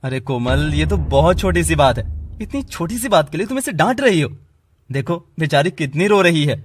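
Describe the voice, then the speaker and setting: A performer voicing a patient young husband in a cartoon, soft, pleading and reasonable. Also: medium pitch, very animated, moderate pace, breathy edge.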